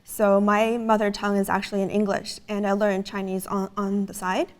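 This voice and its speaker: A woman's voice: medium pitch, monotone, moderate pace. A woman in her twenties, raised in Canada, earnestly explaining her business in a casual interview, with frequent fillers. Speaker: startup co-founder, guest.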